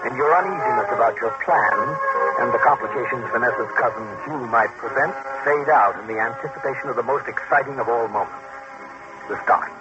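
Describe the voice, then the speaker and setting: A man's voice: medium pitch, natural voice. A man playing an uneasy amateur sailor in a suspense radio drama. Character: male amateur sailor narrating his own uneasy scheme. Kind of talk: 1950s radio drama acting, suspense narration. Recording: muffled old radio broadcast.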